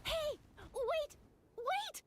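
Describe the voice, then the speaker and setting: Earnest high-voiced girl trainee. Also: expressive, extremely slow, a little hiss or hum, full character voice. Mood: startled. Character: earnest, eager young female trainee flier. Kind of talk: video game voice acting.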